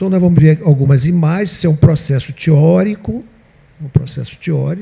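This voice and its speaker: A man speaks at a moderate pace with a fairly high pitch and ordinary pitch variation. His tone is dark and mellow, and he sounds somewhat breathy. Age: 70s. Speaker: surgeon and professor. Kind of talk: lecture. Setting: conference.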